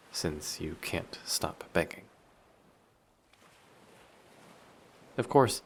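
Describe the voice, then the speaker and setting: A man voicing a flirty, possessive sea monster in human guise for an intimate roleplay audio drama, measured and politely menacing. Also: sits low, gravelly, a little hiss or hum, exaggerated voice. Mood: reluctant, intrigued.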